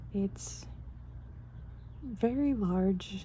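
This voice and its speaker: This is a woman's voice. She is soft-spoken. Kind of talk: soft-spoken ASMR book talk to camera. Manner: hesitant, unpolished one-take delivery.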